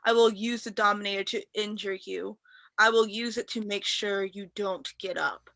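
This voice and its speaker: A woman acts out a young wrestling prince, full of threats and bragging. The voice is bright and forceful, at a middling pitch for a woman. The recording is dry, and it sounds like an amateur script read-through. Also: steady tone, moderate pace, creaky, dry recording. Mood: menacing, boastful. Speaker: actor in a staged reading.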